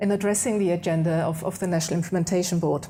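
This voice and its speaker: Her tone dark and mellow, a woman speaks with ordinary pitch variation. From Germany. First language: German. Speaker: university principal. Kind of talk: keynote speech. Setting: conference with audience. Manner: frequent repetitions and hesitations.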